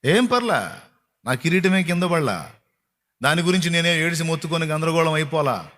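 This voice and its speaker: A man's voice: fairly high pitch, expressive, normal speed, fairly bright tone. A man preaching a sermon to a congregation, emphatic and repetitive, firing rhetorical questions. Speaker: pastor.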